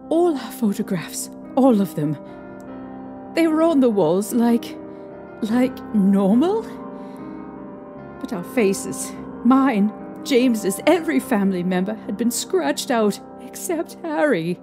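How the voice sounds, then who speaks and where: A haunted young mother played by a woman tells her story in a high, mellow voice. She speaks haltingly and with feeling, as in a horror radio play, over faint music. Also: expressive. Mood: distressed. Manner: halting, emotional storytelling with trembling pauses. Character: frightened young British mother recounting a haunting. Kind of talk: audio drama monologue. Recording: eerie music behind.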